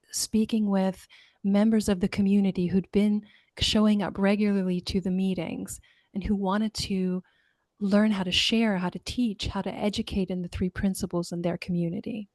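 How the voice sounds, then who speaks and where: A woman's voice: mid-range voice, a little mellow, dry recording. Dry-sounding woman hosting a webinar. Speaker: webinar host. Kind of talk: introducing speakers.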